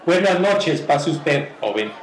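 A man with a Mexican accent playing a righteous, fussy, over-polite gentleman in an old-fashioned radio play. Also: on the high side, expressive, slow. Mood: haughty farewell. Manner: pompous, formal, over-polite diction. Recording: roomy, noisy ambience with crowd behind.

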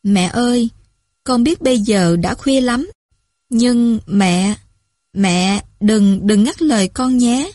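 A woman's voice: a little high, slow pace, dark tone, no room sound, studio quality. A woman voicing a drunk, frightened teenage girl on the phone to her mother, slurring and stammering as she pleads. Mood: slurred, frightened.

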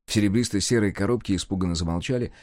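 A man reading an audiobook in an expressive, wry narrating manner. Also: lowish voice, rapid-fire, no echo, clean studio sound. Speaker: audiobook reader. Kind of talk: scripted narration.

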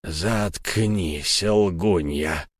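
A man voicing a stern, vengeful male ghost who interrogates in a slow, menacing tone. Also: low-pitched, slightly rough, no room sound, studio quality, full character voice.

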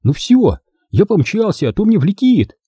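An eager, pleading schoolboy from a storybook, as a male reader acts him out. His voice is raised a little above a man's usual pitch, with a husky, dark grain and a dry close sound. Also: sing-song, moderate pace, no echo, exaggerated voice.

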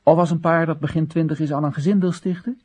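A man's voice: a little high, fairly even intonation, quick pace, darkish tone, breathy edge. An actor playing a wry Chinese everyman who narrates and questions his country's policies in a radio drama monologue, ironic, rhetorical and theatrical. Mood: ironic, indignant.

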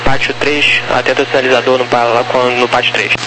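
A man's voice: mid-range voice, level tone, fast talker. A man with a Brazilian accent giving procedural air traffic instructions over a walkie-talkie style radio. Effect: voice over walkie-talkie style aviation radio. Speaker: air traffic ground controller. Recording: noisy radio with background hum.

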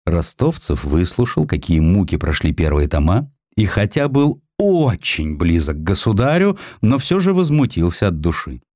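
A man narrating a historical literary sketch in an expressive, theatrical storytelling manner. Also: deep voice, normal speed, hardly any pauses, dry recording, studio quality. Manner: theatrical, acts out dialogue. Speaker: audiobook narrator.

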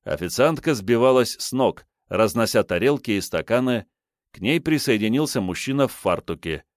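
A man narrating an audiobook novel in a measured, even storytelling manner on a close studio mic. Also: medium pitch, no room sound. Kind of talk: scripted narration.

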